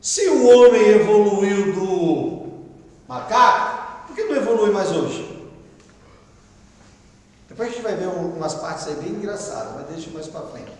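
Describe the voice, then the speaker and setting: Brazilian pastor lecturing, talks casually, drops quiet for asides, boomy reverb. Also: male voice, lively intonation, unhurried, pauses often. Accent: Brazilian Portuguese. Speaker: pastor teaching a Bible class. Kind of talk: classroom Bible lecture, reading and explaining. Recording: echoey room with long reverb.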